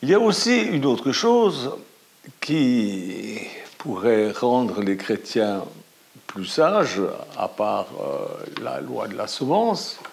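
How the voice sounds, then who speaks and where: A middle-aged Swiss French pastor preaching a sermon with animated, emphatic storytelling. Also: male voice, on the low side, creaky. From Valais, Switzerland.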